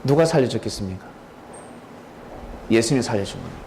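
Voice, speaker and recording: Animated male pastor preaching. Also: on the low side, fairly quick, vocal fry, a little hiss or hum. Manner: dramatic storytelling, quizzing listeners by name. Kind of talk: sermon. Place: church sanctuary.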